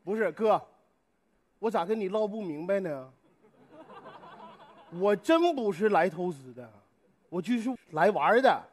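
A man's voice: sits high, lively intonation, a little slow, pauses often. A man with a Northeastern Mandarin accent playing an easygoing visitor in a stage comedy sketch. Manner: easygoing, plain-spoken banter.

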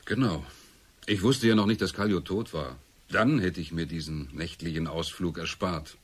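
Low, husky, composed murder suspect. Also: male voice, moderate pace. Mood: frank, composed. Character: male murder suspect, composed, frank fiancé. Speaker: actor. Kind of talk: German radio crime drama acting.

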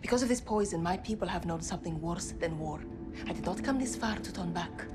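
An actress as a low-voiced, resolute young rebel commander. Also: female voice, brisk, lightly acted. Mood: defiant, solemn. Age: young adult. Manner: firm, earnest. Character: resolute young female freedom-fighter commander, proud, unyielding. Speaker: militia commander. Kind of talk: cinematic video game dialogue. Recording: music clearly behind.

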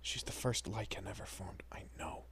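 A man playing a protective, easily bewildered young husband and father in an audio roleplay, with a husky, breathy, often whispering voice and halting, muttering delivery. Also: fairly low pitch, fairly bright tone. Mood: anxious, hushed. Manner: halting, muttering, mild swearing.

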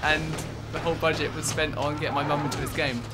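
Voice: mid-range voice, steady tone, quick pace, music in the background. A video game player chatting casually and jokily as a let's play host, teasing a co-host.

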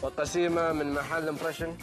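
A man's voice: a little high, level tone, fast. A young man with a Qatari accent presenting a TV quiz as host, speaking into a handheld microphone. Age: young adult. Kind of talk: street and studio quiz presenting. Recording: music behind the voice.

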